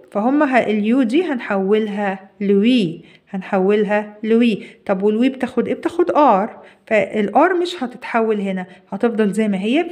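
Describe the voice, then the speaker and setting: A woman's voice: fairly high pitch, a little mellow. A woman with an Egyptian accent teaching English to children, explaining step by step, asking and answering her own questions and carefully sounding out example phrases. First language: Arabic. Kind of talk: explanatory lesson, reading English phrases and translating them.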